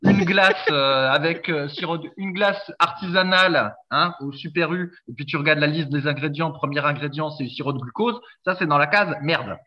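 A man talking casually on a podcast in a slightly higher voice, rambling along and often stopping to restart his sentences. The recording sounds dull and lo-fi. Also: normal speed, few pauses. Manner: rambling, frequent hesitations and restarts. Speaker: podcast co-host.

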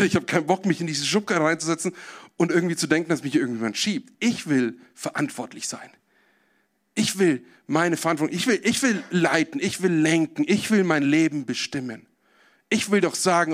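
A male preacher telling a story in a sermon, vividly, and addressing his listeners directly. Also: fairly high pitch.

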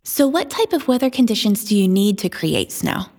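A woman's voice: mid-range voice, very animated, normal speed, warm tone. Woman hosting an interview. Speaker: interview host. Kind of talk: scripted host questions.

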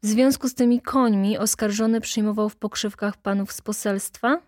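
A woman's voice: mid-range voice, fairly even intonation, moderate pace, darkish tone, no room sound, studio quality, close to an everyday voice. A woman voicing a thin, overworked male prosecutor who presses the accused with questions. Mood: pressing.

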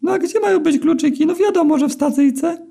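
Squeaky talking eel, shrill high falsetto, fawning and obliging, storytelling voice. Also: male voice, brisk, creaky, mellow. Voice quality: squeaky, thin little voice. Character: squeaky magical male white eel granting wishes. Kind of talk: storytelling character voice.

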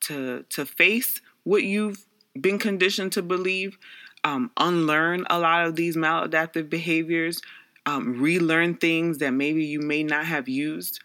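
Man from the Bronx, Garifuna first language, bright forceful tone, earnest, reflective, personal talk. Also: fairly high pitch, steady tone, unhurried. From Bronx, New York, USA. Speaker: social worker.

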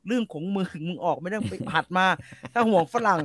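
Blunt, crude-joking man, fairly high voice. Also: lively intonation, quick pace, a bit bright, no room sound. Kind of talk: casual chat.

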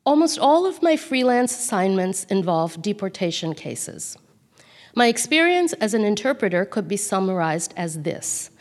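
A woman from Calcutta whose first language is Bengali, reading aloud from her own memoir in a measured, quiet voice. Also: medium pitch. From Calcutta, India. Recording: long hall reverb.

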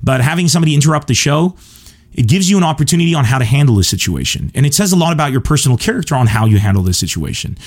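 A man's voice: medium pitch, sing-song, racing. Emphatic, self-assured male podcast host. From Lebanon. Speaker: podcast host, stand-up comedian. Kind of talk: solo podcast monologue answering listener questions.

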